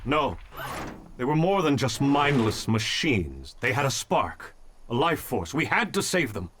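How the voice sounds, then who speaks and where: An actor playing a serious, principled robot ninja in a cartoon, precise and formal. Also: male voice, mid-range voice, sing-song, a little slow, fairly bright tone, a little hiss or hum. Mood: calm.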